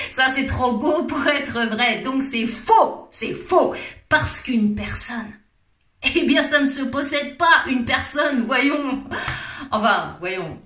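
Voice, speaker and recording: A woman's voice: on the high side, sharp tone. A woman with a French accent doing a playful, theatrical comic monologue, teasing and laughing often. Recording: roomy echo.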